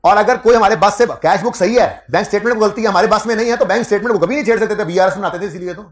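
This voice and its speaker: A man's voice: high voice, very fast. A man giving a classroom accounting lecture, conversational, teasing his students and repeating key points.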